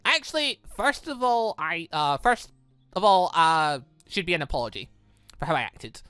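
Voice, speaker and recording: A gaming YouTuber reading out the part of an excitable, eager young woman in a visual novel, flustered and gushing, with music behind. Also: mid-range voice, moderate pace, clear, resonant tone, no echo. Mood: flustered, apologetic.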